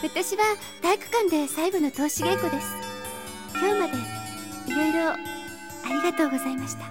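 A gentle teenage girl, acted by a woman with a very high, soft voice. She is polite and earnest in anime audio-drama style, over faint music. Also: a little fast, natural voice. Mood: shy, gentle.

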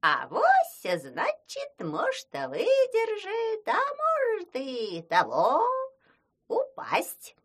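A woman voicing a boastful, fawning old witch with a husky, wailing voice. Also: extremely high pitch, wildly swooping pitch, extremely slow, heavily acted. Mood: cackling. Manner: wailing, sing-song exclamations.

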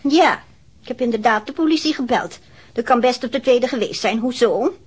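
An actress playing a chatty, nosy, easily indignant woman witness in a radio drama, rambling and insistent, with a husky voice. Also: a little high, lively intonation, moderate pace.

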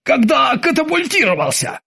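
A narrator voicing a dazed, confused prisoner who answers slowly and mutters. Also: sits high, sing-song, creaky, bright, forceful tone, voice pushed up, full character voice. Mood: bewildered.

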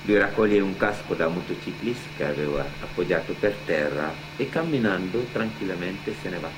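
Deep-voiced Senegalese man over a loud hum. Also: animated, brisk. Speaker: actor and cultural mediator. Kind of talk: first-person testimony told on stage in radio theatre. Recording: loud mains hum and noise.

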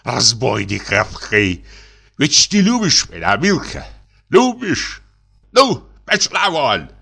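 Male reader doing a blustering older army lieutenant, pushy, tipsy, swooping pitch, bright edge. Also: wildly swooping pitch, slow, creaky, husky, exaggerated voice. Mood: boasting. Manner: boisterous, wheedling, exclamatory. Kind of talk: audiobook character reading.

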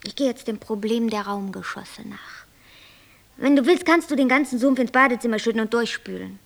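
An actress playing a capricious, self-absorbed white angel who creates worlds, airy, flippant and lecturing, in a German radio play. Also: female voice, a little high, normal speed, gravelly. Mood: boastful, flighty.

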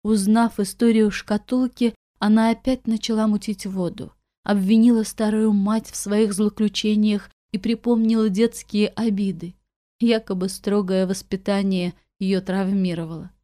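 Woman, audiobook narrator, calm measured reading, mellow tone, dry close mic. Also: mid-range voice, no echo. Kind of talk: storybook narration.

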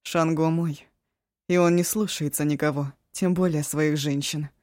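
A woman voicing a proud, volatile young woman who swings between harsh words and shrill, sobbing outbursts. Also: fairly even intonation, unhurried, a little mellow, dry recording, studio quality.

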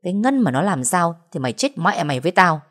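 A woman's voice: low voice, lively intonation, moderate pace, dark tone. Tough scolding sister, a woman doing the voice in an audio story. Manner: harsh scolding. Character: tough protective older sister, sharp-tongued scold.

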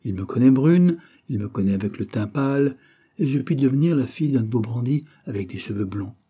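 A man's voice: medium pitch, expressive, brisk, mellow, breathy edge. A man voicing a young noble woman, a passionate gypsy queen, in an audiobook reading, with a raised, confiding manner. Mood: scheming. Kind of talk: audiobook character voice.

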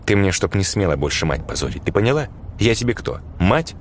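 A man's voice: lowish voice, big pitch swings, a little fast, a little hiss or hum. A man voicing a coarse, angry middle-aged mother who scolds her daughter in a foul-mouthed way. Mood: scolding.

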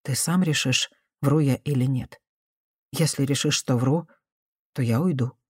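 A woman reading an audiobook voices a gentle, cautious woman speaking softly and trying to calm someone down. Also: very deep voice, a little slow, breathy edge, dry recording, clean studio sound, heavily acted. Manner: soft, conciliatory, hushed.

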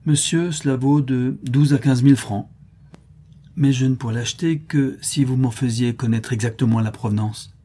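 A man's voice: medium pitch, fairly even intonation, moderate pace, dark tone, breathy edge, natural voice. A man voicing a shrewd male jeweler who speaks in a dry, curt tone. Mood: appraising.

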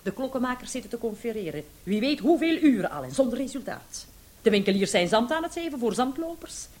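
An actress playing a brisk, bossy and easily distracted female police commissioner in a comic radio play. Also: fairly high pitch, sing-song, darkish tone.

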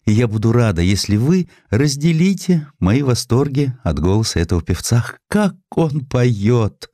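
A man voicing a gentle, romantic young woman with an enthusiastic manner in an audiobook story. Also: medium pitch, very animated, moderate pace, dry recording, studio quality, pitched above the performer's own voice. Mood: sweet, rapturous.

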